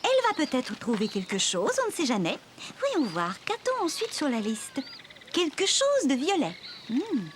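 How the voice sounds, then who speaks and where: A woman's voice: high-pitched, huge pitch swings, moderate pace. A woman voicing a cheerful, patient young babysitter in a French-language children's cartoon, explaining things in an encouraging way. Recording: background music under the voice.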